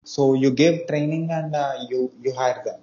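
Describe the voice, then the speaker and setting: A man's voice: medium pitch, steady tone, moderate pace, dark tone, dull audio. A man hosting an interview, asking short, hesitant questions. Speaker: interview host.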